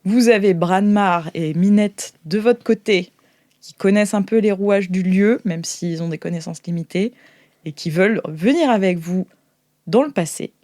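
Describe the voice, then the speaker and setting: A woman's voice: mid-range voice, moderate pace, mellow, no room sound, studio quality. A woman hosting an improvised tabletop game, narrating in a conversational, hesitant way as game master.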